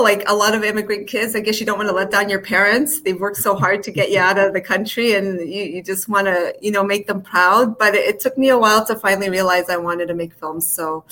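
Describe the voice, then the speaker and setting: A woman in her forties, originally from Chile, speaks as a filmmaker guest on a podcast. Her voice sits at an ordinary middle pitch, and her answers come out relaxed and candid, with easy laughter. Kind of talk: casual interview answers.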